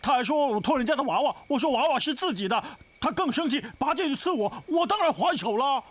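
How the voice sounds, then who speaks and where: A man's voice: very high voice, lively intonation, quick pace, fairly bright tone. A wailing, guilt-ridden father. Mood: rambling storytelling. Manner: wailing and theatrical, swinging between sobs and rambling stories. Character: guilt-ridden, melodramatic father who keeps trying to die. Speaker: the young woman's father. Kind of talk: period martial-arts TV drama. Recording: TV drama with music score.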